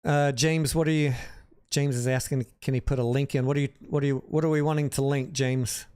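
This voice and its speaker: A man's voice: mid-range voice, steady tone, brisk, a little mellow, clear, resonant tone. A man hosting a livestream, talking casually about the stock market and answering viewers by name in a conversational way.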